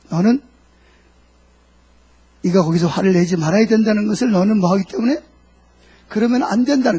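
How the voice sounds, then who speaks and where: A man's voice: sits high, darkish tone, breathy edge. A middle-aged male pastor preaching a sermon, asking the congregation questions and answering them himself, and voicing God's words and a believer's prayers.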